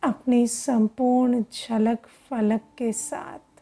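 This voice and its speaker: A woman leading a guided meditation in a hushed, deliberate way, speaking in short phrases with long pauses. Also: a little high, flat delivery.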